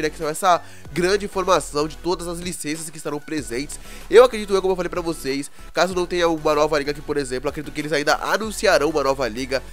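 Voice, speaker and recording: A young Brazilian man with a cold, his voice congested and hoarse, chatting casually through gaming news and constantly checking in with viewers. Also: a little high. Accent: Brazilian Portuguese. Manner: chatty, keeps asking the viewers "né, cara?". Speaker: gaming YouTuber.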